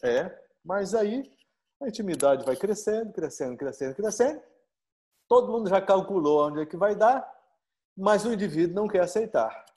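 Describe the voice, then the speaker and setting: Brazilian guy, marriage therapist on a live stream, animated, acts stuff out, keeps asking you get it?. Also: high-pitched, moderate pace. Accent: Brazilian Portuguese. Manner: animated, acts out little dialogues and asks rhetorical questions.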